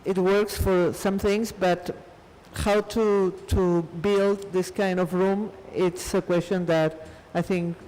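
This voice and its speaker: A man's voice: sits high, little pitch movement, takes it slowly, few pauses, darkish tone, in a large hall, rough recording. A man answering on a panel, hesitant and often restarting his phrases.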